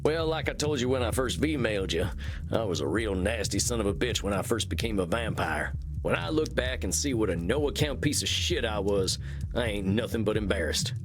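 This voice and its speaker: An actor playing an earnest, self-effacing cowboy vampire, a reformed outlaw, with a folksy American Western drawl in a video game. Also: male voice, lowish voice, lively intonation, normal speed, over music, close to an everyday voice. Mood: ashamed. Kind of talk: video game character dialogue.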